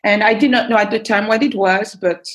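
A woman's voice: mid-range voice, steady tone, a bit bright. Earnest Belgian-born woman telling her story. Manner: earnest, thoughtful, with frequent pauses and fillers. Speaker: interview guest. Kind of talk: casual personal storytelling.

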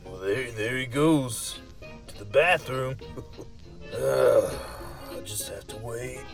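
A man's voice: mid-range voice, takes it slowly, creaky, soft background music. A man acting out an irritable, wary young guy in a dramatic first-person horror story, muttering and coarse. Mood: uneasy muttering. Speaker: story reader.

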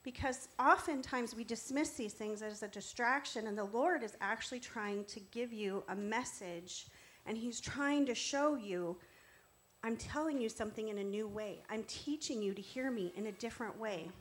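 A woman's voice: on the high side, normal speed. A woman preaching in a conversational style, earnest and instructive as she encourages her listeners. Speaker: preacher giving testimony. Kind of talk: conversational sermon.

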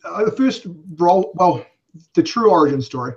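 A man's voice: high-pitched, expressive, moderate pace. Rambling man with an English–New Zealand accent. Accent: English with New Zealand tinge. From England, raised in New Zealand. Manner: rambling, hesitant, many fillers, wry asides. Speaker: convention organizer, guest. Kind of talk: casual podcast interview. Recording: dull lo-fi podcast audio.

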